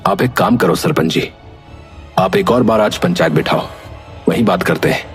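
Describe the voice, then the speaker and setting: A man playing a troubled, quietly determined young villager in a dramatized story, brooding in manner. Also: sits low, moderate pace, close to an everyday voice. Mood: determined, respectful. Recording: music under the voice.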